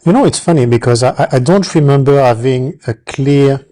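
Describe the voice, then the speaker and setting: A middle-aged man with a French accent, talking as an interview guest, pausing often with many fillers and restarts. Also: medium pitch, dark tone, no echo. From France. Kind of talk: casual interview.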